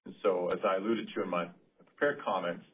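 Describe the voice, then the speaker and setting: A deep-voiced man speaks through a narrowband phone connection. He answers as a company executive, explaining things in considered, unscripted phrases. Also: fairly even intonation, a little fast. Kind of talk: spontaneous answer on earnings call. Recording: narrowband, radio-like phone line.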